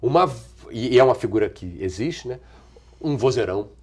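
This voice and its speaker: Middle-aged brazilian guy, actor being interviewed, thinks out loud, lots of restarts and little laughs. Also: medium pitch, expressive, husky. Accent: Brazilian Portuguese. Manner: thoughtful, many restarts and trailing pauses, chuckles often. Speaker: actor and singer, interview guest. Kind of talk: relaxed conversational interview answers.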